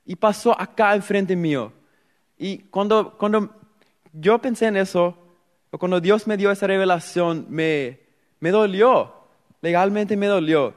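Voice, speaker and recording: A man's voice: high-pitched, measured pace, big-room sound. A young man with a Paraguayan Spanish accent giving an earnest sermon testimony, acting out his inner thoughts as he tells his story. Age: young adult. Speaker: preacher.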